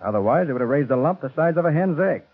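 An actor playing a brisk, self-assured private detective in a 1940s radio drama, decisive and matter-of-fact. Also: male voice, a little high, lively intonation, slightly rough. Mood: firm, explaining. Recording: muffled, narrow-band 1940s radio recording.

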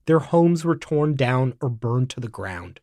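A man narrating an investigative report in scripted, measured form. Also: medium pitch, no room sound, studio quality. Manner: measured, even delivery. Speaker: documentary narrator.

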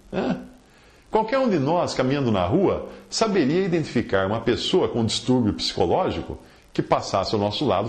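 A man preaching a podcast sermon, lively and teasing, reading scripture aloud. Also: medium pitch, roomy sound.

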